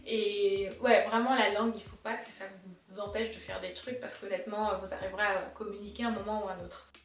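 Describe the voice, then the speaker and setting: A young woman with a strong Alsatian accent talks casually and animatedly to her viewers, at an ordinary middle pitch. The sound is roomy and the camera mic sits some way off. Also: fairly even intonation, brisk, recorded from a distance. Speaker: illustrator vlogger.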